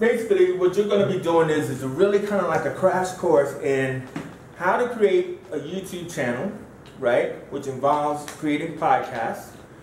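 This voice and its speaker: A man with an American accent speaks at a moderate pace with lively intonation. Light background noise and audible room echo are audible. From United States. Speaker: media teacher and filmmaker. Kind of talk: lecture. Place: classroom. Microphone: camera far.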